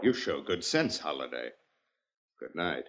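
A man's voice: extremely low pitch, very animated, unhurried, heavy background noise, full character voice. A curt cold gunman. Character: curt menacing male gunman. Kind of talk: 1940s radio drama acting. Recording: dull lo-fi old radio, off-mic.

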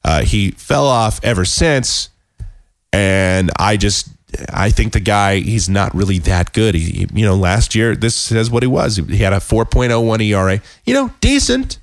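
A man hosting a casual sports podcast, hoarse and sick with a cold, talking in a rambling, self-deprecating way with many halting restarts. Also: on the low side, expressive, no echo, studio quality. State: hoarse, losing his voice. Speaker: podcast host.

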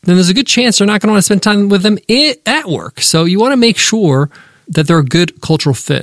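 Emphatic podcast host, dry close sound. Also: male voice, fairly high pitch, dry recording. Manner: emphatic, animated, enumerates points. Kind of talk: business advice podcast monologue.

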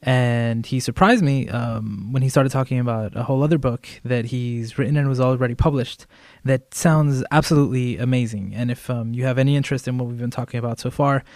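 A man's voice: mid-range voice, steady tone, a little fast, a little mellow, no echo, studio quality. A man hosting a podcast, introducing interview segments with enthusiasm and filler ums. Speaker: podcast host. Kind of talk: podcast narration between interview clips.

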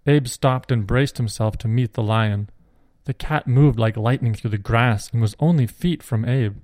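A man's voice: medium pitch, normal speed, darkish tone, no room sound. Man narrating a story in a dry sound. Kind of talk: reading a Christian children's story aloud.

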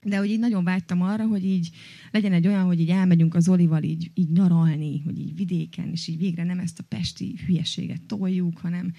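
Chatty woman with a mellow, dry voice. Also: lowish voice, steady tone, creaky, no room sound. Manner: chatty, many fillers and hesitations. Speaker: storyteller. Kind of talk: personal story told on stage.

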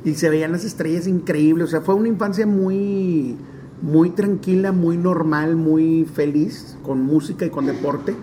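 A man in his forties from Monterrey with a northern Mexican accent, telling stories in an interview in a chatty, animated way with many fillers. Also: fairly high pitch, unhurried, slight background noise. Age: 40s. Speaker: stadium DJ and announcer. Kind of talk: relaxed storytelling interview.

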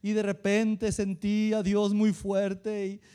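A man voicing an old man over seventy who gives a slow, earnest church testimony. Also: high voice, monotone, mellow, smooth.

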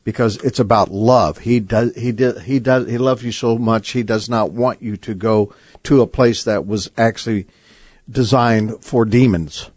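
A man hosting a Christian radio talk show, conversational and a little halting, with many fillers. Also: fairly low pitch, steady tone, darkish tone, dry recording.

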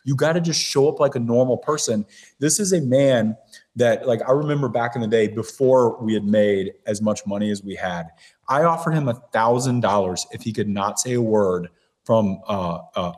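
Blunt, animated man chatting as a guest. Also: on the low side. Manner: blunt and animated, mimics other people's voices. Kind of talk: casual podcast chat.

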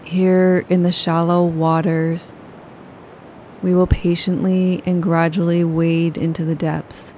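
Female meditation guide, low flat calm delivery, warm dark tone. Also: slight background noise. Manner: slow, soothing, unhurried. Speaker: yoga nidra guide.

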